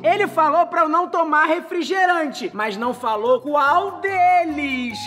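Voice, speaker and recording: A man's voice: very high voice, pushed and bright, exaggerated voice. A young Brazilian man playing a mischievous little boy in a comedy skit, pleading and stammering playful excuses. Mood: sneaky glee. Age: young adult. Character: mischievous whining little boy, son sneaking soda. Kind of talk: exaggerated kids' comedy skit acting. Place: small room full of plush toys.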